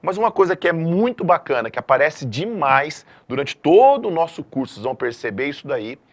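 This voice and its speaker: A middle-aged man from Brazil giving a math video lesson, emphatic and lively, often checking in with the students. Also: fairly high pitch, fairly quick. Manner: lively, emphatic classroom delivery with frequent checks like "tá?". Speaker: math teacher.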